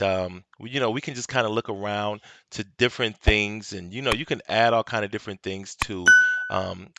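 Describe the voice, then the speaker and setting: A man with a lowish voice walks viewers through a software tutorial, relaxed and instructive, dropping in "um" and "okay" as he goes. The sound is close and dry, recorded at his home desk with no room around it. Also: creaky, no echo. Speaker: video tutorial host. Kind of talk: casual software tutorial walkthrough. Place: home desk at a desktop computer.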